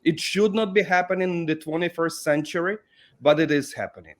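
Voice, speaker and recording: A man from Ukraine whose first language is Russian, a professor answering interview questions in English. He speaks in a deliberate, earnest way, often restarting phrases and adding "you know". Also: a little high.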